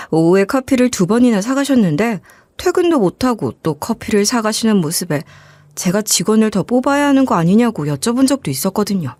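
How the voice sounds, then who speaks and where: A woman narrating a scripted life story in a gentle, even storytelling manner. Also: medium pitch, dry recording.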